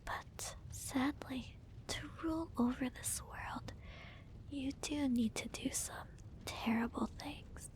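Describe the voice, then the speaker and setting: Girl doing an evil villainess for asmr, breathy whispering, really slow n deliberate, smug and teasing, theatrical gloating at the hero. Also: sits high, poor audio. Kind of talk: whispered roleplay ASMR monologue.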